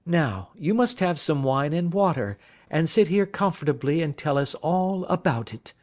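A man voicing a kind, composed wife who comforts a friend in a gentle, reassuring tone. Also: expressive, normal speed, natural voice. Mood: soothing. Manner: gentle, raised-pitch reassuring tone. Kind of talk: audiobook character voice.

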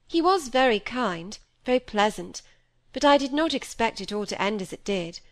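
A woman reading a proud, sharp young woman. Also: a little high, lively intonation, moderate pace. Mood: rueful. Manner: sharp, curt.

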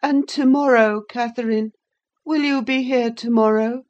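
A frail, whining teenage boy, peevish and demanding, with a raised, plaintive tone, as a woman reader puts him on. He speaks slowly and impatiently. The character belongs to a spoken storybook reading. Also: on the high side, steady tone, darkish tone, dull audio, pitched above the performer's own voice, close to an everyday voice.

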